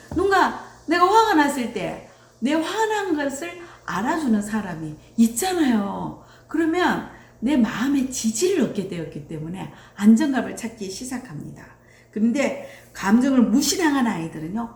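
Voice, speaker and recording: A woman giving a lecture on parenting, speaking animatedly and acting out bits of dialogue. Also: a little high. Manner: animated, acts out quoted dialogue. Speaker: parenting educator. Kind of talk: lecture on child rearing. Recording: roomy echo.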